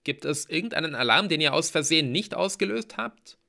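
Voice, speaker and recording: A man's voice: on the high side, bright, forceful tone, pitched above the performer's own voice. A man reading aloud and voicing a nervous teenage boy, talking shakily and in a hurry. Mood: shaky. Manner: shaky, hurried.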